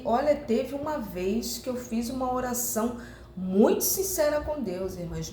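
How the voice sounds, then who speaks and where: Brazilian woman preacher, earnest sermon voice, slightly high, roomy echo with faint noise. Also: mellow. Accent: Brazilian Portuguese. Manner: earnest, repeating "irmãs" often; acts out heartfelt prayers to the Lord.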